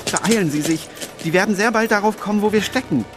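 A man's voice: sits high, quick pace, over music, lightly acted. An actor playing a flustered, exasperated man in a crime radio play, agitated, grumbling and sarcastic. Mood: sarcastic, tense.

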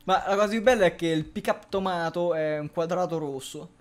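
A man's voice: on the high side, brisk. A man commenting casually on a survival game, laughing often and cursing at zombies. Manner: swears a lot, laughs often, yells at the game. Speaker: gameplay commentator. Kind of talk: casual let's-play commentary.

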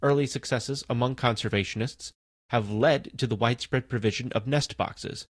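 A man reading an encyclopedia article aloud in a steady, even manner. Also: medium pitch, normal speed, slightly rough, no room sound, clean studio sound. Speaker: volunteer article reader.

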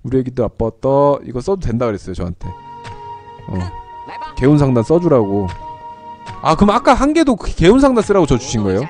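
A man's voice: fairly high pitch, sing-song, brisk, pauses often, darkish tone, soft background music. A young man streaming an online game, chatting casually with his viewers while he trades and sets up gear.

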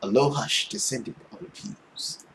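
A young man reading a visual novel aloud in a theatrical, expressive storytelling style. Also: medium pitch, a little slow, vocal fry, a little hiss or hum, low-quality recording. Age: young adult. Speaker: gaming video host. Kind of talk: dramatic read-aloud narration of a visual novel. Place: small room at home, indoors. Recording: loud music under the voice. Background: loud game music.

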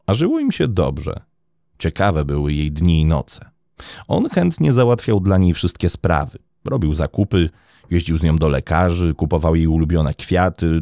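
A man narrating a scripted true-crime story in a measured storytelling manner. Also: low voice, warm tone, no room sound, studio quality.

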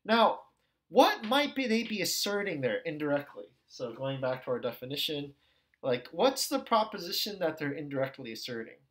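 A man teaching an ethics lesson in a relaxed, conversational way, often checking in with his listeners. His pitch swings widely and expressively. He drops into different tones as he acts out the questions he quotes. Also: normal speed. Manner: conversational, checks in with "okay" and "right". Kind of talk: recorded lecture video.

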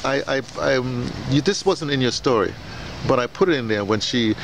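A man with a gravelly, mid-pitched voice chats casually as an interviewer. He rambles and stammers, repeating words and phrases as he goes. The camera recording is outdoors, with clear urban noise in the background. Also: lively intonation, normal speed, fairly bright tone. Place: outdoors beside a building. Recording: noisy outdoor camera sound, urban ambience.

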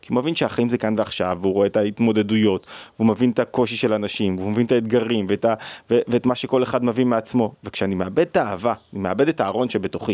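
A man's voice: fairly low pitch, darkish tone, no echo. A man giving a thoughtful teaching talk on psychology, often asking questions and restarting sentences. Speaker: psychology lecturer on the weekly Torah portion.

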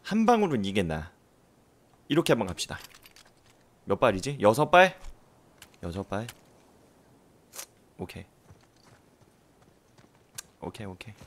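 A man's voice: on the low side, huge pitch swings, very fast, long pauses. A man casually commenting on his gameplay at home, muttering and reacting as he plays. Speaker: game streamer. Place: indoors at home.

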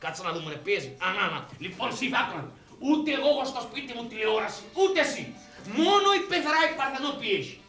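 A woman's voice: fairly high pitch, sing-song, a bit bright, recorded from a distance, soft background music. A woman playing a bumbling village husband with a Cretan accent in a comic sketch, rustic and blustering. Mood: scheming. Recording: roomy echoey room.

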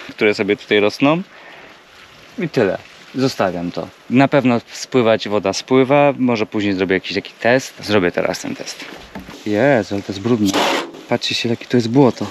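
A man with a low-pitched voice talks casually to his viewers while working outdoors on a rural plot. He thinks aloud and fills the pauses with hesitations. A faint hum of outdoor ambience sits behind him. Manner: chatty, thinks aloud with fillers, addresses viewers. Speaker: vlogger. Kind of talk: casual vlog commentary.

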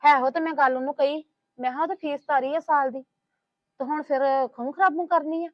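A woman's voice: high-pitched, steady tone, fairly quick, dry recording, natural voice. A woman playing a gossipy housewife. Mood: complaining. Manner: complaining, gossiping, soothing. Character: talkative scheming woman, middle-aged housewife. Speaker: housewife in a family drama. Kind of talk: web series acting. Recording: dull lo-fi sound.

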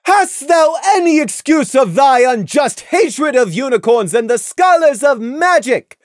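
A stern royal mare who speaks in thee and thou, pitched high and loud, as a reader puts her on. Her speech swings widely in tone, imperious and commanding. The recording is dry and close. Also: lively intonation, unhurried, no echo. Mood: demanding. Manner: archaic formal speech, commanding. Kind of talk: audiobook reading of fan fiction.

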